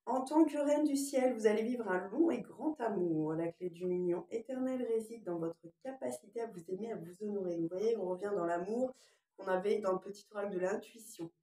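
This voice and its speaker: Female oracle reader, mid-pitched, getting over a cough, informal and musing, echoey room sound. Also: a little fast, mellow, slight background noise. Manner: hesitant, musing asides between read passages. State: lingering cough. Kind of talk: informal spiritual card reading, part read aloud.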